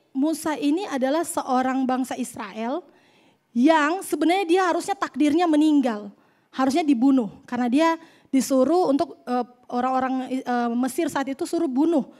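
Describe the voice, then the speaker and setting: A young woman preaching a sermon, telling the story lively and joking with the congregation. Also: sits high.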